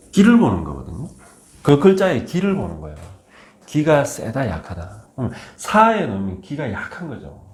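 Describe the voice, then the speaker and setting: Amid audible room echo, a man of medium pitch talks at a moderate pace with very wide pitch swings. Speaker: saju fortune-telling teacher. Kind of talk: lecture. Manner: casual, many fillers.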